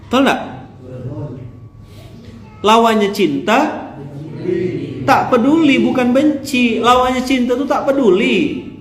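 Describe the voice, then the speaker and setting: A male preacher with a Pontianak Malay accent, giving a joking, animated sermon and acting out voices of husbands and fathers. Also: extremely high pitch, slow pace, long pauses, reverberant. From Indonesia. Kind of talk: lively sermon.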